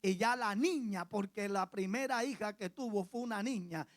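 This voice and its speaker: Passionate Colombian pastor preaching a sermon. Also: male voice, sits high, moderate pace, dry recording. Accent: Colombian Caribbean Spanish. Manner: passionate preaching that swings from quiet to loud; storytelling, often repeats words for emphasis.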